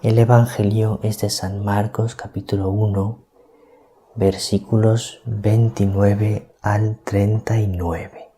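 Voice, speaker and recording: A priest from giving a calm, deliberate gospel reflection at night, keeping his voice down so as not to wake anyone. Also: on the low side, a little hiss or hum. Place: small hermitage at night.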